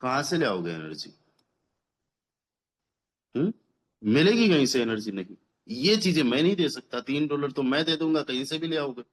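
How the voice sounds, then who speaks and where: A man in his thirties giving a motivational business pitch as a team leader, persuasive, repeating phrases for emphasis and mixing English words into his speech. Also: lively intonation, normal speed, long pauses. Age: 30s. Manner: mixes English words into Hindi. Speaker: network marketing team leader.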